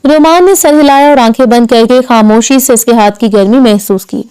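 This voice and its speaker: A woman reading a romantic novel aloud in soft, measured scripted narration. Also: a little high, smooth, poor audio.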